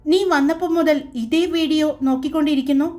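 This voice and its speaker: Woman narrator as young male colleague, hesitant, concerned, high-pitched. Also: fairly even intonation, quick pace, darkish tone, natural voice.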